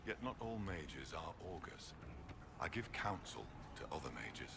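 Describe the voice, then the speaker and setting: Slow, solemn tribal augur. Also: male voice, a bass voice, very animated, vocal fry, very noisy, full character voice. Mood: solemn, patient. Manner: ceremonial, measured, declamatory. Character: solemn tribal augur, a male mage and spiritual leader. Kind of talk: scripted fantasy game dialogue.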